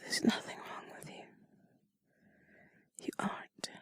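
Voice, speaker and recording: A woman doing an intimate whispered role-play in a soft, breathy, sultry and soothing voice, speaking slowly and deliberately, close to the mic. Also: dry recording. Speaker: intimate audio narrator. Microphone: close mic, dry.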